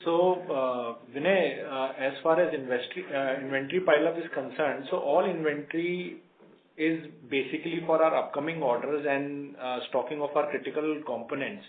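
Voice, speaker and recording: An Indian-accented man, a finance executive giving halting, measured answers on an earnings call. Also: on the high side. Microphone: conference call phone. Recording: echoey, tinny conference phone line.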